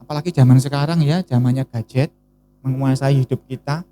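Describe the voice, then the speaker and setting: A woman preaching a sermon in a lively style, often asking the congregation rhetorical questions. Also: a bass voice, a little fast, slight background noise.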